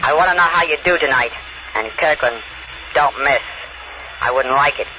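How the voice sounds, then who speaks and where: An actor playing a cold, menacing crime ringleader, clipped and commanding, in an old radio crime drama. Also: male voice, fairly high pitch, moderate pace, dull audio, heavy background noise, lightly acted. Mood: cool, menacing.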